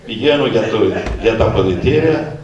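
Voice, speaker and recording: A man's voice: medium pitch, lively intonation, dull audio, crowd noise. A man in his sixties, an author presenting his book, telling personal stories to an audience, speaking to them directly and acting out old conversations. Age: 60s. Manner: anecdotal, addresses listeners directly and acts out old dialogues. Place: event hall at a book presentation. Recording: echoey hall, distant mic, faint noise.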